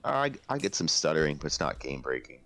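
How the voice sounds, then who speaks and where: A man's voice: very deep voice, very animated, fairly quick, creaky, a crowd in the background. A man co-hosting a casual podcast, talking about video games in an emphatic, enthusiastic way. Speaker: podcast co-host. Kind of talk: casual video game discussion.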